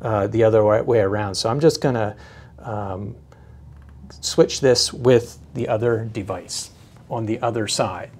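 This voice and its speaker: A man giving a casual, unscripted product demonstration in a hesitant, halting way, often searching for words. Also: fairly low pitch, a little mellow, breathy edge. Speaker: product reviewer.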